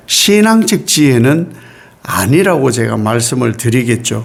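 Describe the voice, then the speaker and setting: In a Gyeongsang accent, the voice moves very slowly with very wide pitch swings, and room echo is audible. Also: man. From Gyeongbuk, South Korea. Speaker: pastor. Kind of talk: sermon.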